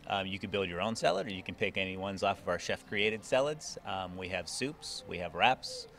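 A man's voice: low voice, expressive, moderate pace, creaky, fairly bright tone. A man in his forties who owns a salad restaurant, speaking hesitantly with many ums into a handheld mic in a mall. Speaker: restaurant owner. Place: indoor shopping mall. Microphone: reporter's handheld mic.

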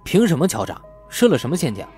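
A man's voice: a little high, huge pitch swings, fast talker, dark tone, soft background music, pitched above the performer's own voice. A man voicing a shrewd, suspicious, outspoken man with an insistent manner in an audiobook. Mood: surprised, probing.

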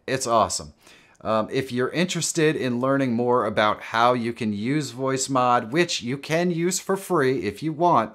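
A man's voice: fairly low pitch, a bit bright. A middle-aged man, hosting a live stream in a casual, enthusiastic, informal tutorial style. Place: small indoor home studio.

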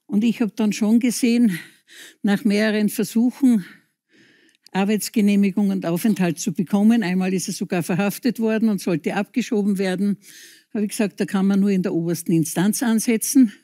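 Older woman, warm dry voice. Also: medium pitch, fairly even intonation, brisk, dry recording. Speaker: talk show guest. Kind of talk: telling a personal story. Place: TV studio.

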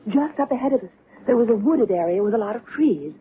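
A bewildered young mother and UFO witness played by an actress in a 1970s radio drama. She speaks haltingly and anxiously in a fairly high voice. The old broadcast sound is narrow, with light noise. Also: expressive, close to an everyday voice. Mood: uneasy, awed. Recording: muffled, noisy old radio recording.

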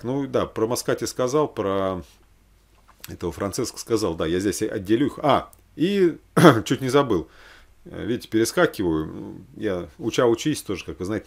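A man in his forties with a fairly low voice chats casually to the camera. He rambles as he thinks aloud, breaking off for hesitant asides. It sounds like an unscripted home vlog. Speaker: religious vlogger recommending films. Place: small room at home, indoors.

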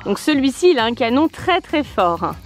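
A woman with a strikingly high voice hosts a family toy-review vlog outdoors beside a pool. She talks in a playful, teasing way and laughs often. Soft music plays faintly behind her. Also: big pitch swings, normal speed. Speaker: mother and channel host.

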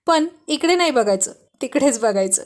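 A woman's voice: high voice, expressive, normal speed, a little mellow. A woman reading a storybook voices a teasing, protective young husband in an affectionate manner.

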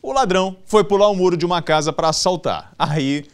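Smooth-voiced man recapping the news. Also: high voice, brisk. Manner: colloquial, stumbles and repeats words. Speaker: TV news presenter. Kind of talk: casual spoken news recap.

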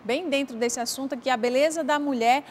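A woman hosting a faith-based morning talk show, her voice sitting a little high. She guides the conversation and steps in to complete her guest's thoughts. A faint hiss runs under the studio sound. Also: fairly quick. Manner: interviewing, prompting and finishing the guest's sentences.

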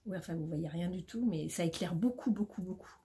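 A woman's voice: lowish voice, brisk, warm tone. Chatty middle-aged Frenchwoman, noisy home recording. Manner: chatty, informal, addresses viewers directly. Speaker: shopping haul vlogger. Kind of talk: casual chatty product haul to camera. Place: small room at home, indoors.

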